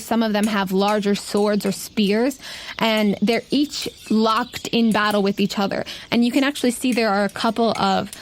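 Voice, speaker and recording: A woman's voice: medium pitch, slight background noise. A woman narrating a tabletop roleplaying game as game master, describing scenes in a conversational, improvised way.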